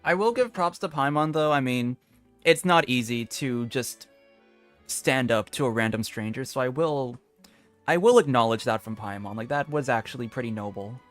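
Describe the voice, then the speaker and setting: Male gaming streamer, medium pitch, casual commentary, rambling, conversational, light game music underneath. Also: moderate pace, fairly bright tone. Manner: rambling, frequent "like". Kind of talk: casual game commentary and dialogue read-aloud.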